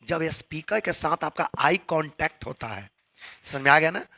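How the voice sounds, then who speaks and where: A male commerce tutor lecturing students. He reads points slowly and explains them, often checking that his students follow. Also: a little high, expressive, vocal fry, bright, forceful tone. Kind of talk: classroom lecture.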